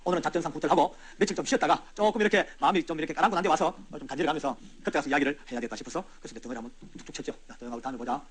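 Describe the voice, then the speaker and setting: A man, a church elder telling a testimony to his audience in an animated, conversational way that swings from loud to hushed. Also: on the high side, very fast, hardly any pauses, slight background noise. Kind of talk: storytelling testimony sermon.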